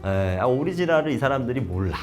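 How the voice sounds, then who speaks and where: A man's voice: medium pitch, fast, faint music behind. A young man from North Korea talking casually to camera, telling stories with acted-out quotes. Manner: lively storytelling with acted-out quotes. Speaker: vlogger.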